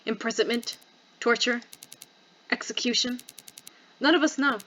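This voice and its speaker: A woman's voice: on the high side, steady tone, a little slow, a bit bright, poor audio. A woman reading a visual novel game aloud as narrator and host, dropping in casual asides.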